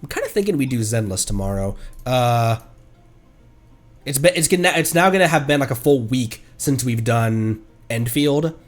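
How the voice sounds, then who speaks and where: A man's voice: mid-range voice, animated, moderate pace. A man livestreaming a video game with casual, rambling commentary, thinking aloud as he plays. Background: video game music.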